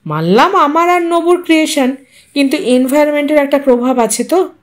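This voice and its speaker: A woman's voice: high voice, expressive, pitched above the performer's own voice. A woman reading the part of an anxious, fussy young wife who mixes English words into her worried speech. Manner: fretful, speaks quickly and drops English words into her speech.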